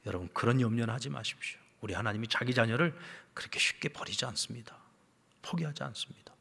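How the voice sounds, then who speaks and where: A male pastor delivering a sermon, telling a story that swings from loud, emphatic lines down to hushed, whispered ones. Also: medium pitch, quick pace, creaky, husky, big-room sound. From South Korea. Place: church sanctuary.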